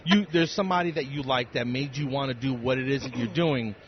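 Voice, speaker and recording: Male comedian guest, forties, self-deprecating casual banter, mid-pitched voice, dull sound over loud venue noise. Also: fast talker. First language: Spanish. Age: 40s. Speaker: interview guest, comedian and speaker. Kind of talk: casual chat. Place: on location at a busy convention.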